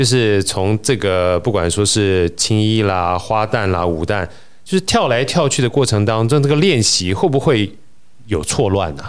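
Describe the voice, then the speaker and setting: A man speaks in a normal speaking voice with a fairly low pitch. His intonation is lively and his pace moderate. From Taiwan, Yilan. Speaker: podcast host. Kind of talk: interview. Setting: studio.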